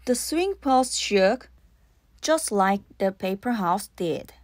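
A woman's voice: medium pitch, lively intonation, slow pace, no room sound, clean studio sound. A woman reading scripted narration for a children's audiobook. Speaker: storybook narrator.

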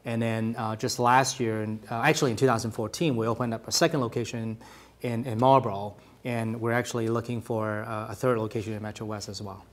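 A man's voice: on the low side, level tone, fairly quick. A man in his forties from Hong Kong, a business owner answering questions in a TV studio interview, speaking with many fillers and restarts. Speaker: franchise owner, interview guest. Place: small TV studio, seated at a table.

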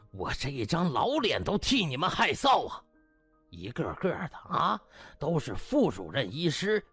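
A man voicing a stern, disappointed old hospital director who scolds with contempt and drawn-out rhetorical questions in an audiobook. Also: a little high, a bit bright, slightly rough, exaggerated voice. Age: older.

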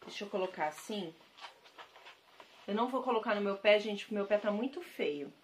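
A woman's voice: mid-range voice, expressive, brisk. A woman from Brazil chatting to camera as a vlogger, gushing over her thrift-shop finds and addressing viewers directly. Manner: chatty and gushing, repeats praise words. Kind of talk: casual haul chat to camera.

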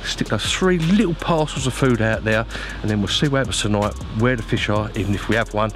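A man's voice: fairly low pitch, a little fast, over music. A man chatting casually to viewers as an angler presenting a vlog, informal and matey, giving practical advice.

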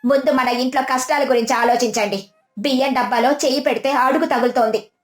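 A woman voicing a sharp-tongued village wife in a storybook tale, mocking and theatrical, with a greedy streak. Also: sits high, steady tone, fairly quick, natural voice. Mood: mocking, scolding. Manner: scolding, sarcastic, theatrical. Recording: music behind the voice.

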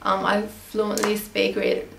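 Answering viewer questions from her small bedroom, a young adult beauty vlogger rambles casually, full of ums and restarts. She was raised in Australia with Armenian as her first language, and her mid-range voice is slow and a bit bright, with little pitch movement. The room adds a clear echo, along with slight background noise.

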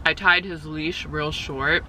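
Bright, effusive woman chatting in a car. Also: deep voice, steady tone, slow pace, a little hiss or hum, low-quality recording. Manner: chatty and effusive, coos at her cat. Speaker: vlogger. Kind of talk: casual food-tasting vlog chat. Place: inside a parked car. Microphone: camera mounted on the dashboard.

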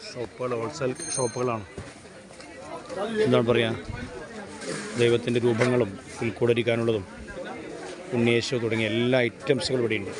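A man's voice: mid-range voice, little pitch movement, moderate pace, pauses often. A man with a Kerala accent gives casual, enthusiastic, repetitive walking vlog commentary, mixing English words into Malayalam. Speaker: vlogger. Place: crowded street market. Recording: busy outdoor market crowd noise.

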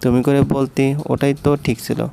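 A man's voice: medium pitch, level tone, normal speed, creaky, background noise, natural voice. A man voicing a hot-tempered young man, a bossy older cousin who scolds brusquely in a storybook reading. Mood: scolding.

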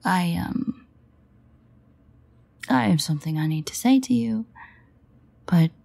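Woman playing a low, husky, sardonic vampire. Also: mellow, exaggerated voice. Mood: hesitant, tender. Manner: wry, hesitant, sweary. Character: sardonic female vampire, guarded but fond, awkwardly confessional. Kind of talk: intimate audio roleplay monologue.

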